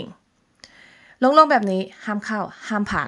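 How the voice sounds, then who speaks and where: A woman at a medium pitch with an Isan accent, against a quiet background. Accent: Thai with Buriram (Isan). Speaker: driving test tutor, vlogger. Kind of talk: tutorial.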